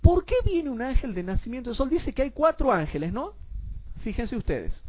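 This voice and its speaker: A man teaching a Bible class, asking rhetorical questions and calling his listeners brothers, and repeating points slowly so everyone follows. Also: extremely high pitch, very animated, a little mellow, muffled recording.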